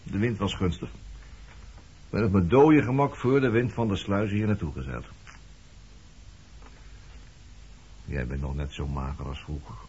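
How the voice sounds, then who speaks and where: A man's voice: low-pitched, lively intonation, moderate pace, darkish tone. An actor playing a blunt, nonchalant sailor in his late thirties in a Dutch radio play. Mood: nonchalant, appraising. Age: late 30s. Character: weathered roaming sailor nearing forty, blunt, nosy, nonchalant old flame. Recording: dull lo-fi radio recording, clear noise.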